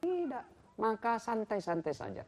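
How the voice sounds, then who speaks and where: A man preaches a lively, story-filled sermon. His voice sits high and leaps wildly in pitch, swinging from loud exclamations to low, quiet asides. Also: normal speed. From Makassar, South Sulawesi. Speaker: ustaz, preacher. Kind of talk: lively sermon with humorous stories.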